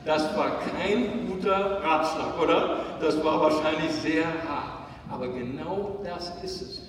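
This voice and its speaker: Male pastor, sermon, slow emphatic delivery, echoey church hall, far from the mic. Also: high-pitched. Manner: emphatic, swinging between soft and loud. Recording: echoey hall, distant mic, faint noise.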